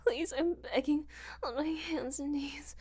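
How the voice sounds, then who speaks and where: A woman playing a desperate, submissive woman in an adult audio drama, pleading haltingly with breathy, whispered words. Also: high-pitched, fairly even intonation, darkish tone, slight background noise.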